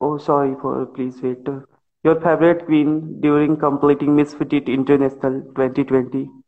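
Flat, monotone delivery over a quiet background. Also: man, fairly high pitch for a man, moderate pace. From India. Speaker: pageant fan interviewer; fan interviewer. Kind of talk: live-stream interview. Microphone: video call.

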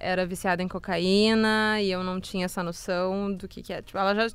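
This is a woman's voice. Its tone is bright and sharp. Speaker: co-host. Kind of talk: casual chat, personal stories.

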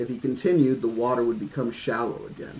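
The recording is plain reading aloud.

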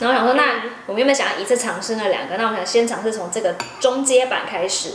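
A woman speaks very fast with ordinary pitch variation. Music plays in the background, and room echo is audible. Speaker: vlogger. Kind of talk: casual vlog chat. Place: home room. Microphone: camera far.

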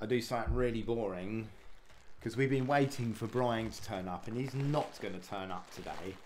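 With light background noise behind him, a man with an English accent speaks at a fairly quick pace and medium pitch, his pitch varying in an ordinary way. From England. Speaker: YouTube live streamer. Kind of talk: casual live-stream chat with viewers. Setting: home room streaming to camera. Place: home room. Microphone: studio mic.

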